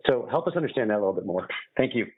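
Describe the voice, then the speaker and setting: Over a tinny, band-limited phone connection, a man asks questions as a financial analyst on an earnings call. He talks quickly, in a slightly low voice. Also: lively intonation, breathy edge.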